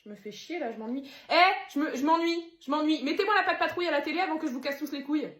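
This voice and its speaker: A woman's voice: high voice, animated, rapid-fire, fairly bright tone, reverberant, voice pushed up. A woman voicing a crude, bossy baby who demands food and whines. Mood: whiny. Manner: bossy, foul-mouthed, whining.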